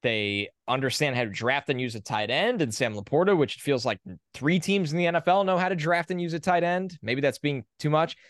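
A young adult man co-hosting a podcast in a casual sports chat. He sounds opinionated and reels off facts in a steady run. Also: fairly high pitch, a little fast, no echo, clean studio sound. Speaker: podcast co-host.

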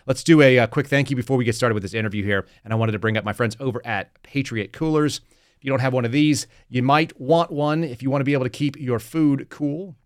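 Fast-talking brash podcast host man. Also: medium pitch, no echo, clean studio sound. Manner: brash, casual, punchy ad reads. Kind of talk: podcast monologue and interview.

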